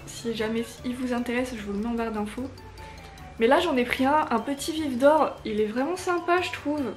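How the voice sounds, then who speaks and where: Bubbly high-voiced woman. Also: moderate pace, soft background music. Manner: gushing, enthusiastic. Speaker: unboxing vlogger. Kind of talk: casual unboxing chat.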